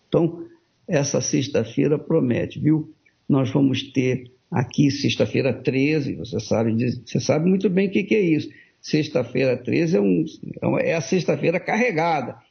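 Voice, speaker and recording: A man's voice: fairly high pitch, creaky. A man, a bishop, preaching on a broadcast, emphatic and repeating phrases for stress, on muffled audio.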